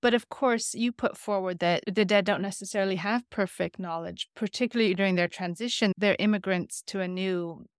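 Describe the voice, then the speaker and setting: A woman's voice: mid-range voice, brisk, hardly any pauses, no room sound, clean studio sound. Articulate woman interviewer. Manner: articulate, thoughtful. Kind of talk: interview questions and reflections.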